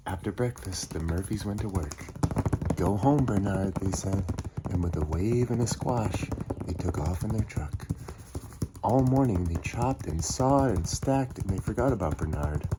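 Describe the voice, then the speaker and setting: A man reading a children's storybook aloud in an expressive way, acting out the dialogue. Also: low voice. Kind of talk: storybook narration. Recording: noisy, with typing and clicks.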